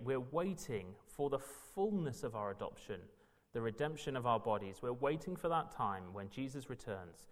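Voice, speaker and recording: A man from Wales, teaching a Bible session in an earnest, emphatic way that builds in bursts. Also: mid-range voice. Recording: reverberant hall.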